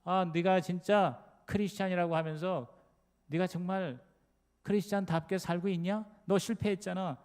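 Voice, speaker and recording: A man's voice: sits high, fairly even intonation, a little mellow, pitched above the performer's own voice, natural voice. A pastor voicing a male devil who hurls jeering accusations, in a church hall. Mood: taunting. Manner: jeering, rapid-fire accusations. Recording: long reverb of a church sanctuary.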